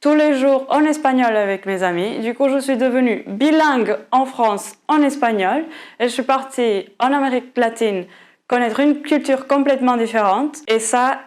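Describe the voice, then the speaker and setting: A woman in her twenties from Portugal with a Portuguese accent, whose first language is Portuguese, answering interview questions with many fillers and restarts. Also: fairly high pitch. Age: 20s.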